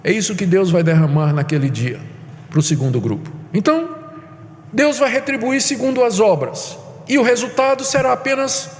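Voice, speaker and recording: A man preaching a sermon, emphatic and urgent, repeating phrases for weight. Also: high voice. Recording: hall reverb.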